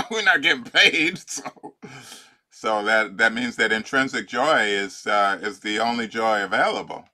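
An older man coaching someone through a tapping routine on a video call. His voice is bright and forward, and he jokes and laughs often, stopping to search for words with lots of fillers. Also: fairly low pitch. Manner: playful, laughing, halting with many fillers. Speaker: life coach. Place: home room.

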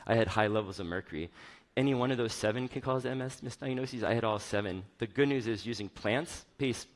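A man's voice: mid-range voice, a little fast. A middle-aged man giving an informal, personal conference talk on stage in a conversational, rambling way. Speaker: chief medical officer giving a keynote.

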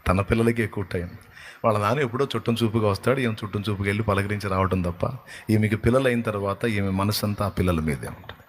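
A man preaching an emotional sermon, fervent and repetitive, moving between hushed lines and rising exclamations. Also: lowish voice, quick pace, a little hiss or hum.

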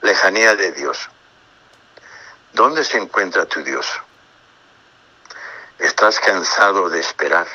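A priest speaks slowly and reflectively in a radio religious talk, reading psalms and pausing to comment. His voice is husky but bright and forceful, and it sits low. He often stumbles and repeats words as he gathers his thoughts. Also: expressive, low-quality recording. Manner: unhurried, reflective, reads psalms aloud and comments; frequent hesitations and repeated words. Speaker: priest giving religious talks. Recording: radio broadcast.

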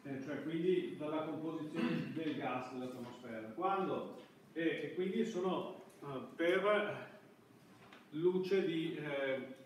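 Recorded from a distance on a camera microphone, this classroom lecture is heavily reverberant and carries a light hiss. The speaker, a middle-aged man who lectures at a university, has a rather high voice and keeps making false starts while searching for words.

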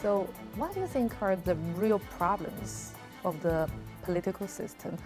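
A woman's voice: medium pitch, big pitch swings, moderate pace, over music. A woman in her thirties hosting an interview, asking polite, formal questions in a residence sitting room. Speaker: host.

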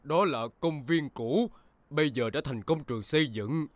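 A man voicing a steady, concerned grown-up uncle vehicle in a dubbed children's cartoon, with music behind. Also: fairly high pitch, moderate pace, natural voice. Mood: pondering.

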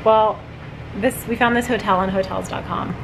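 A woman's voice: mid-range voice, fairly even intonation, normal speed, gravelly. A woman in her thirties chatting upbeat to the camera on a family road trip vlog, filmed at arm's length inside a car. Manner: chatty and upbeat, lots of fillers. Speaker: family vlogger. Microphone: handheld camera at arm's length. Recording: loud car noise. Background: road and engine noise.

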